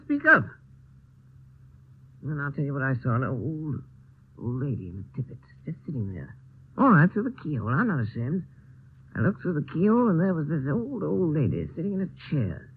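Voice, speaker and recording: A tipsy toff. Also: male voice, fairly high pitch, husky, exaggerated voice. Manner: slurred, rambling, singsong. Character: drunk upper-class Englishman, rambling and silly. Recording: tinny old film soundtrack.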